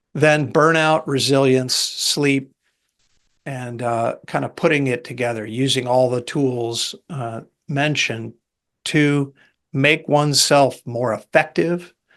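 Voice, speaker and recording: A man's very slow, fairly even-toned speech against a quiet background. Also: fairly high pitch for a man. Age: 60s. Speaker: leadership coach. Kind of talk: interview. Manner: halting.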